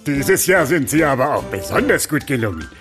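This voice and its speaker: An actor playing a proud, fretful Christmas baker in a children's audio story. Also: male voice, mid-range voice, fairly quick, music in the background, close to an everyday voice. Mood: eager. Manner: lively, expressive.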